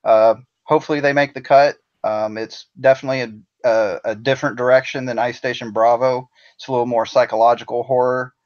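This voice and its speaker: A man's voice: medium pitch, steady tone, a little fast, hardly any pauses, dull audio. A man guesting on a podcast, chatting casually and hesitantly with many fillers. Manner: hesitant, filler-heavy storytelling. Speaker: writer guest.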